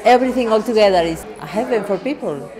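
A woman speaking thoughtfully about what church means to her, pausing and trailing off softly. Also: medium pitch, lively intonation, over music. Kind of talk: reflective testimonial. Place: church hall.

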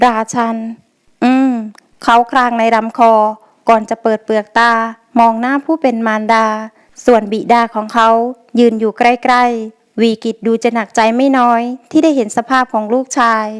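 Woman with a smooth, high reading voice. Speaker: audiobook narrator. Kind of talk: scripted novel narration.

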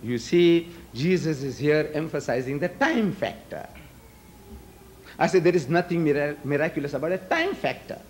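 Podium microphones record an older man, Gujarati being his first language, giving an emphatic public debate speech in a large hall full of rhetorical questions for the audience. His voice is a little high at a normal speed, with slight background noise.

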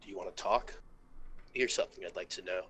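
A man voicing a hurt, bitter adult male fox, pleading with halting intensity in an amateur comic reading. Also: low voice, fairly bright tone, breathy edge, voice pushed down. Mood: bitter, resigned.

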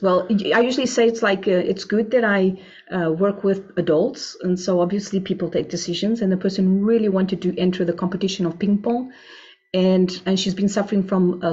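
A woman's voice: mid-range voice, a little mellow. A middle-aged woman from Portugal with a Portuguese accent, explaining informally as a webinar therapist and often checking in with her listeners. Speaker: physiotherapist presenting a webinar. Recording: dull, lo-fi web call audio.

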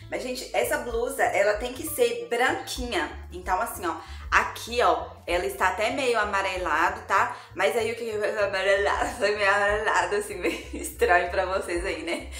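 A young woman gushes to her viewers in a casual vlog, her voice sitting a little high. She speaks in a living room, and the sound is roomy, with faint music underneath. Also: a bit bright. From Brazil. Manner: chatty and effusive, constantly addressing viewers. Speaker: vlogger. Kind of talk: casual thrift haul vlog. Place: living room at home, indoors.

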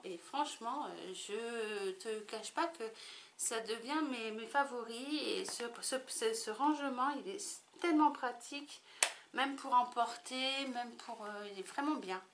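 A woman's voice: fairly high pitch, unhurried, a bit bright, a little hiss or hum. Chatty woman rambling through a makeup tutorial. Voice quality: chatty, rambling, lots of fillers and restarts. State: tickly throat. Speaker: makeup vlogger. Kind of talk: casual makeup tutorial chat.

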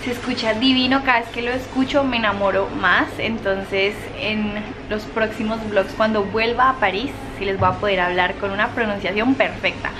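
A woman's voice: mid-range voice, steady tone, moderate pace, hardly any pauses, noisy background. A woman with a Colombian accent, chatting upbeat to camera in a travel vlog and laughing often. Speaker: vlogger.

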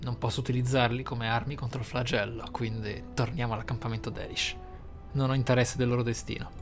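A man hosts a roleplaying game playthrough. He muses aloud with emphatic phrasing and a mid-range voice, while music plays clearly behind him. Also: medium pitch, flat delivery, quick pace. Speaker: gameplay host.

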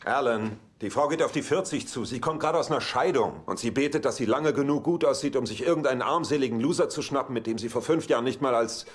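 An actor playing a sly, mocking middle-aged bachelor in a dubbed sitcom. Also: male voice, mid-range voice, quick pace, hardly any pauses, slightly rough, lightly acted. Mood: cocksure. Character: smug, teasing, worldly bachelor brother. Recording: noisy TV soundtrack with background ambience.

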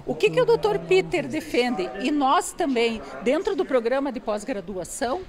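A woman's voice: high-pitched, sing-song, moderate pace. A woman in her forties with a Brazilian accent explaining as an interviewed professor into a handheld microphone. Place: indoor event hall. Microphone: handheld reporter microphone. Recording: crowd murmur in event hall.

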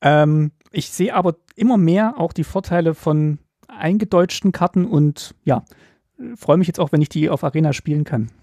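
A man co-hosting a casual podcast discussion, explaining things quickly in his native German, with lots of filler words. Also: a little high, mellow, no room sound, studio quality. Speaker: podcast co-host.

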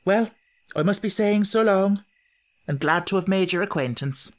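A kindly older gypsy woman from a storybook speaks in a soft, rustic dialect, as the reader puts her on. The voice sits a little higher than the narration. Her delivery is gentle and wistful, like a blessing. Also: moderate pace, lightly acted.

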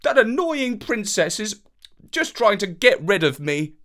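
A woman's voice: mid-range voice, sing-song, a little slow, fairly bright tone, voice pushed up. A woman voicing a plucky, easily frustrated young man in a fairytale, boyish and emphatic.

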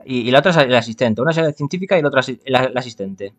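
A man's voice: medium pitch, racing, a bit bright, faint music behind. A man from reads a visual novel aloud, adding casual, wry commentary as he goes. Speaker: gaming streamer.

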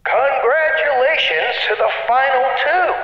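High, echoing, booming game announcer. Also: male voice, a little slow. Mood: taunting. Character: booming, taunting unseen announcer of deadly games. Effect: reverberant loudspeaker announcement. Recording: echoey hall, long reverb, dull sound.

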